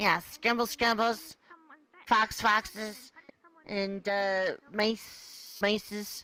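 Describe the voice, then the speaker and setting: This is a put-on character voice that sounds female, pitched medium for a woman. The delivery is very slow. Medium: game stream. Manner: playful, joking.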